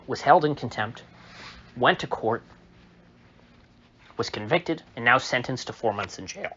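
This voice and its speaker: A man who is ill, voice a little off, giving a halting, opinionated political commentary monologue full of fillers, recorded in a room. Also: medium pitch, a bit bright, highs cut off, a little hiss or hum. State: sick, slightly off voice. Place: indoor room.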